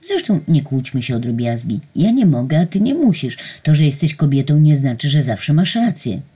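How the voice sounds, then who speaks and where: A woman's voice: sits low, very animated, moderate pace, dark tone, husky, heavily acted. A woman reading a story and voicing a sheepish male guardian angel who stammers through his excuses. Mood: teasing.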